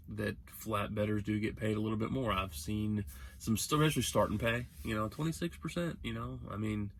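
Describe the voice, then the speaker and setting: A man's voice: fairly low pitch, fairly bright tone. A man talking casually as a truck-driving vlogger, rambling and correcting himself as he gives earnest advice. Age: young adult. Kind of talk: casual vlog monologue.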